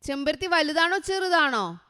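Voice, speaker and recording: A woman tutoring first graders, asking short questions again and again in an unhurried, clear way. Her voice is high and bright. A long reverb from the room trails behind her words. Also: big pitch swings. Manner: quizzes with short repeated questions, slow and clear. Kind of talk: exam revision lesson for young children.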